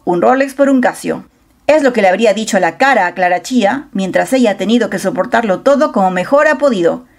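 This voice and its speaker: Woman narrating dramatic celebrity gossip. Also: medium pitch. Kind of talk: scripted narration.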